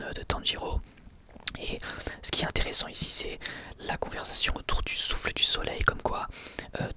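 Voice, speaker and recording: Whispering man, bright and hesitant. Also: a little high, breathy edge. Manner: hesitant, many fillers and restarts. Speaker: ASMR reviewer. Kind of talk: whispered ASMR episode review.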